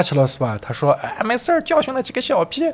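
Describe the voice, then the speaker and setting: Noticeable background noise sits behind the voice. A man rattles along at a very fast pace. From Hunan and Xinjiang, China (moved often). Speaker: podcast guest telling life stories. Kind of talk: casual chat.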